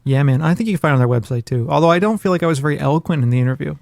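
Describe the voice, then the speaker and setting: A man's voice: fairly high pitch, rapid-fire, vocal fry, darkish tone, no echo. A man co-hosting a podcast in casual chat, rambling and self-deprecating with jokes. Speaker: podcast co-host.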